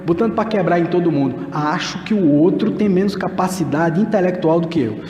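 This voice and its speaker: A man's voice: sits high, fairly quick, a little mellow, slight background noise, close to an everyday voice. A man voicing a remorseful male spiritist center leader who mockingly confesses his own pride. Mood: self-mocking confession. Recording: echoey hall with long reverb.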